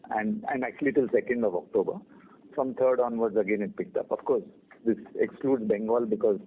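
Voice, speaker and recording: A man with an Indian accent, an executive answering questions in a measured, deliberate way over a narrow phone line. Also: fairly low pitch. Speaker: company executive.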